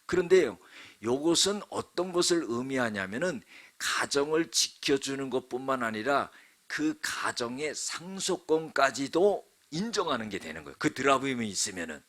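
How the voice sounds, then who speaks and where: Bright-voiced dramatic male pastor. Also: mid-range voice, very animated, moderate pace. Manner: dramatic storytelling, acts out quotes; frequent rhetorical asides to the congregation. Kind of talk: sermon.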